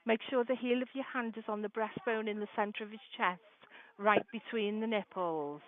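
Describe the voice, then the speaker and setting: A woman's voice: mid-range voice, moderate pace. Woman dispatcher on a tinny phone line. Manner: calm, methodical, instructive, encouraging. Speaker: emergency call dispatcher. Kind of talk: giving step-by-step first aid instructions by phone. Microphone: telephone call. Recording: narrow, muffled emergency phone line.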